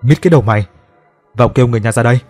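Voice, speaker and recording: A man voicing a calm, stern older father who performs rituals and speaks in a mysterious, commanding way. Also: mid-range voice, rapid-fire, faint music behind, lightly acted. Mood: stern scolding.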